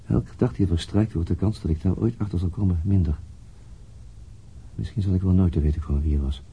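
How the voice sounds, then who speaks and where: An actor playing a brooding, dogged police detective in a radio drama, weary and musing in a halting, husky voice. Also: male voice, low-pitched, highs cut off, heavily acted. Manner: halting, musing, muttering to himself. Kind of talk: radio drama acting with introspective monologue.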